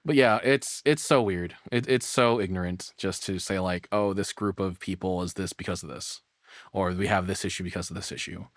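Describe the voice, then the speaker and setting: A man giving casual live reaction commentary as a streamer, rambling and excitable, with casual swearing. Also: sits low, normal speed, no room sound, studio quality.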